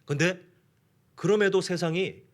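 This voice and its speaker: A man's voice: high voice, measured pace. A man preaching a sermon in a church, talking conversationally and putting questions to the congregation. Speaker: pastor. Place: church sanctuary.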